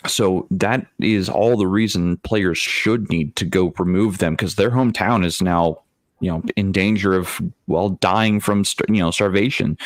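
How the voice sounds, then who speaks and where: A man speaking as a game master in a casual panel discussion, explaining things in a deliberate, wordy way. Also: deep voice, dry recording, studio quality. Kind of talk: casual panel discussion of role-playing games.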